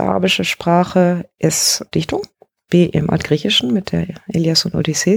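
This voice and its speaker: A woman's fairly low voice at a moderate pace, dry and close with no echo. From southern Germany, border town. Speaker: professor of Arabic studies. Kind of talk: interview. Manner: hesitant fillers.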